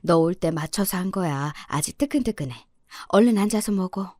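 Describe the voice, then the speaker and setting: A woman voicing a patient middle-aged mother who talks softly and coaxingly. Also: lowish voice, lively intonation, moderate pace, no echo, clean studio sound. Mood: coaxing gentle. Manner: soft, coaxing, caring.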